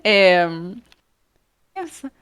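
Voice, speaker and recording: A woman, a guest in an interview, telling a story in a casual, animated way and acting out the people in it. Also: mid-range voice, very slow, clear, resonant tone, no echo, studio quality. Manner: animated, acts out quoted people, laughs often. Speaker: interview guest, game art professor.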